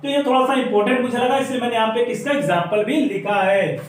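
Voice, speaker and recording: A man teaching an English lesson, explaining patiently and slowing down to repeat example words for dictation. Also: very high-pitched, recorded from a distance. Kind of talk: classroom-style language lesson. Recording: very echoey room, voice off-mic.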